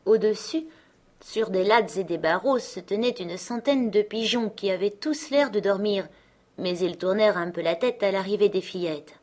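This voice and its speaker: A woman reading a fairy tale aloud as narrator, in a calm, measured way. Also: mid-range voice. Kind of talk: storybook reading.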